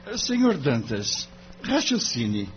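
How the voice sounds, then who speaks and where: A man playing a gentle, earnest young lawyer who speaks politely and thoughtfully, with hesitant fillers. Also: medium pitch, wildly swooping pitch, takes it slowly, highs cut off, faint music behind. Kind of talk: audio drama acting.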